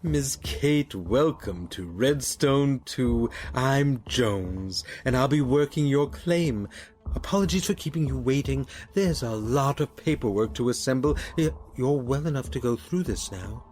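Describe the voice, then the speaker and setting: A man's voice: mid-range voice, expressive, unhurried, darkish tone, close to an everyday voice. An actor playing a polite, businesslike male mining official in an audio drama, formal and courteous.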